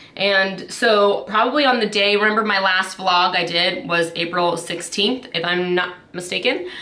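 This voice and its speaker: A woman with ordinary pitch variation, hardly any pauses, very even loudness, audible room echo, and noticeable background noise. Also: medium pitch for a woman, moderate pace. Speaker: vlogger. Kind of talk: casual monologue vlog. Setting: at home, window closed. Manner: hesitant, filler words.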